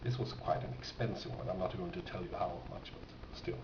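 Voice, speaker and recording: Swedish guy with a lowish voice chatting about his collection, stops and starts a lot, really echoey room and muffled noisy sound. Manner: halting, pausing mid-sentence. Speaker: record collector presenting finds. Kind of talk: casual unscripted show-and-tell. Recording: dull, echoey, noisy amateur room recording.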